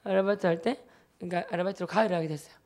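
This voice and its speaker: A man in his thirties with a Gyeongsang accent, a church deacon giving a lively testimony talk and acting out his family. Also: sits high, very fast. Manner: animated storyteller who acts out family members.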